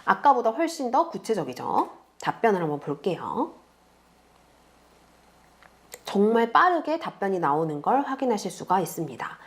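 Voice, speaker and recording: A woman's voice: medium pitch, sing-song, fairly quick. A woman tutor patiently explaining each step of a tutorial to viewers. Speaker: online tutor.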